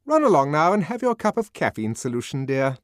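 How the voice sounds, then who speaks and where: A man's voice: on the high side, big pitch swings, a little fast, dry recording, clean studio sound, pitched above the performer's own voice. A man voicing a fierce, truculent woman head nurse in an audiobook, scolding and bossy.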